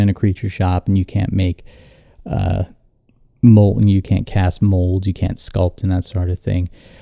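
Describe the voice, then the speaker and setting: A dark, mellow tone at a moderate pace, quiet, with a dry, close sound and no echo. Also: man. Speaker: podcast host and indie filmmaker. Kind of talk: casual solo podcast monologue. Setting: home at midnight. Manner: quiet, low voice; hesitant, many fillers.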